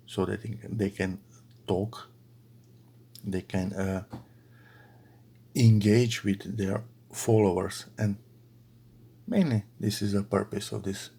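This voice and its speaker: A middle-aged man from Slovenia with a Slovenian accent, chatting casually to his followers while he crochets at home, halting with many fillers. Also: fairly low pitch, vocal fry, a little mellow, slightly rough. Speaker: crochet video creator. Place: bedroom at home.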